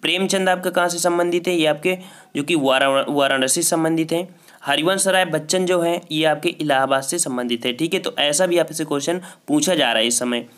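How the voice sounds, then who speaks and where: A man's voice: on the high side, fairly quick, fairly bright tone. A man teaching exam prep, going through a grammar test and repeating each answer with a check-in. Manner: repeats each answer and asks it back with "ठीक है". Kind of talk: solving a Hindi grammar test paper aloud.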